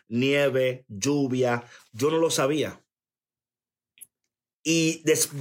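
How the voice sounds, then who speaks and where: Emphatic preacher man, fairly high voice. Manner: emphatic, repeats phrases, calls for attention; reads chat comments aloud. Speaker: preacher on a live stream. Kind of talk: sermon-style testimony.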